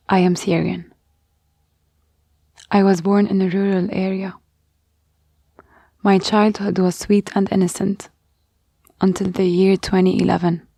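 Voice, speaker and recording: A woman reading a first-person testimony aloud in a slow, grave and measured way. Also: mid-range voice, creaky, dark tone, dry recording, clean studio sound. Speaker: reader of a monologue.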